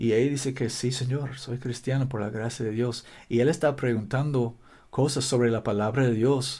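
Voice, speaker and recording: At a moderate pace, a man with an American accent speaks in a somewhat breathy, dark, mellow tone at a medium pitch, his intonation monotone and flat, with an audible room echo. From United States. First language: English (speaking Spanish). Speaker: preacher. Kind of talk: sermon. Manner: halting, with frequent restarts.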